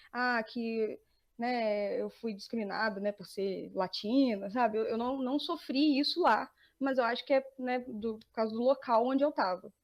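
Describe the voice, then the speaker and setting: Young brazilian woman on a podcast, high voice, lots of laughs and fillers. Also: highs cut off. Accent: Brazilian Portuguese. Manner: chatty, laughs often, many fillers and restarts. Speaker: podcast guest. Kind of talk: casual interview chat.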